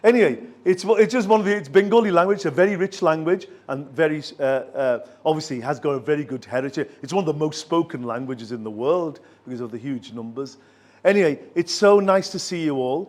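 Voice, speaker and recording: Brief older English man, slightly high voice, quick and chatty, jokey counselor addressing students. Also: darkish tone. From England. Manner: chatty and joking, filler-heavy, switching between English and Bengali. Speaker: visiting education counselor and professor. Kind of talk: informal talk to students.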